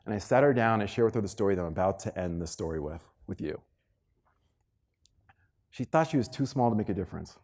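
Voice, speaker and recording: A man giving a motivational keynote to an audience, telling stories in an animated, emphatic way and acting out dialogue. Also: lowish voice, fast, pauses often. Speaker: keynote speaker. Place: live talk before an audience.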